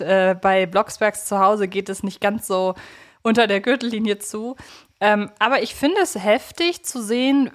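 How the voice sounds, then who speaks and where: A woman co-hosting a podcast, analysing a story conversationally in a frank and opinionated way. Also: medium pitch. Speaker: podcast co-host. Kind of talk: conversational analysis of an audio drama.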